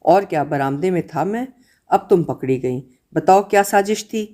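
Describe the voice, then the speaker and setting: A woman's voice: on the low side, expressive, normal speed, mellow, lightly acted. A woman voicing a bossy older brother who teases and threatens his sisters. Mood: teasing. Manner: teasing, threatening to tell mother.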